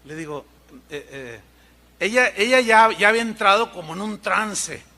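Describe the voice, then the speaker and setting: A middle-aged pastor delivers an animated sermon full of anecdotes. He mimics noises and other people for humor, his fairly high voice swinging widely in pitch. His tone is bright and forceful. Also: moderate pace. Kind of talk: sermon with storytelling.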